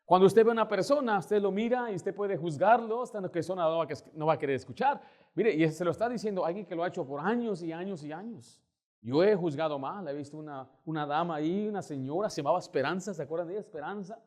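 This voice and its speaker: A male pastor, preaching a sermon and telling stories with emphatic, lively delivery. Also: high-pitched, fast talker. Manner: storytelling, acting out quoted voices, emphatic.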